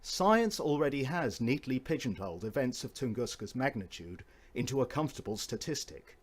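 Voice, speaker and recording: Male narrator for a documentary, mid-pitched, formal and measured scripted read. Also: sing-song, breathy edge.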